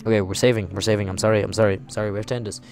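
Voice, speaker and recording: A man's voice: lowish voice, fairly even intonation, very fast, a little mellow, faint music behind. A man hosting a game let's-play, reading aloud and commenting casually in a rambling, apologetic, self-interrupting way.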